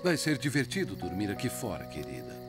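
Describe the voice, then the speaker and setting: A playful young cartoon father with a Brazilian accent. He is gentle and encouraging, with hugely varied intonation, and music plays clearly behind him. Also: lowish voice, wildly swooping pitch, brisk. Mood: affectionate. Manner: gentle, patient explaining. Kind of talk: children's cartoon dub.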